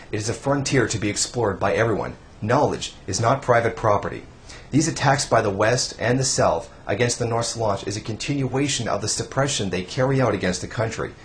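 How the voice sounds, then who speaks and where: A young man reading scripted political news commentary in a formal, measured newsreader manner. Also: medium pitch. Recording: faint background noise.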